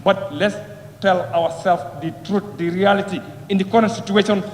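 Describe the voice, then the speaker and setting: A man's voice: high-pitched, fairly even intonation, moderate pace, darkish tone, a little hiss or hum. A man giving an impassioned parliamentary speech, repeating phrases and firing rhetorical questions. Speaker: member of parliament. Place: parliament chamber. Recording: echoey hall with long reverb.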